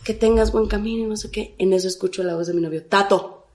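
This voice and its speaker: A young Mexican woman telling a story in casual chat, animated, often breaking into laughing shrieks. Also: mid-range voice, quick pace, roomy sound. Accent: Mexican Spanish. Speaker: podcast co-host.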